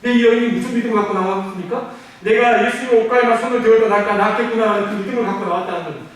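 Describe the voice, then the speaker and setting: A man preaching a sermon as pastor, animated, asking the congregation questions and answering them himself. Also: sits high, racing. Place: church sanctuary. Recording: very echoey hall, mic at a distance.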